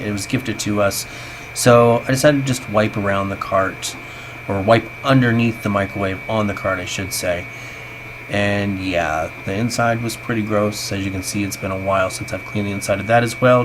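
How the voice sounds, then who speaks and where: A man in his thirties narrating a casual, chatty, self-deprecating vlog voice-over on a basic home microphone, sounding tinny, as if through a tin can. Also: lowish voice. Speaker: vlogger. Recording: tinny home voice-over, clear background noise.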